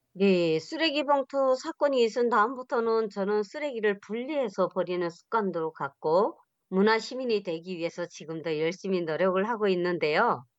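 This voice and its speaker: A woman at a medium pitch, with very wide pitch swings, a moderate pace and hardly any pauses. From North Korea, Chongjin. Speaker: North Korean defector contributor. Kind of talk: personal storytelling.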